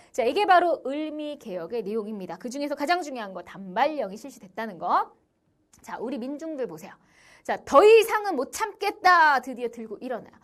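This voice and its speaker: Woman, young adult, history teacher, online lesson, high voice, very lively intonation, constant "자" filler, acts out quotes. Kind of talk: online lecture for middle school students.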